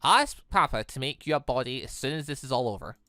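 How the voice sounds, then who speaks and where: A man voicing an earnest, anxious, tender-hearted young android girl in a visual novel, halting and emotional. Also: medium pitch, expressive, sharp tone, no echo, voice pushed down. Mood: pleading, reassuring.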